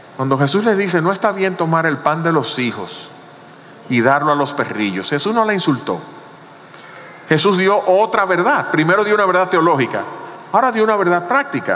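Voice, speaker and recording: A man with a high pitch talks at a moderate pace, using lively intonation and very even loudness, with long, frequent pauses. Audible room echo and noticeable background noise are present. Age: 50s. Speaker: pastor. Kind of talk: sermon. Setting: church.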